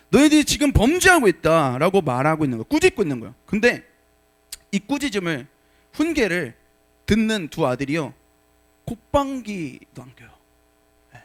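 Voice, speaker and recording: Pastor guy preaching, high voice, super lively ups and downs, gets loud when he makes a point. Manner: animated, shifts from quiet reading to shouted exhortation. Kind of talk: sermon to a young adult congregation.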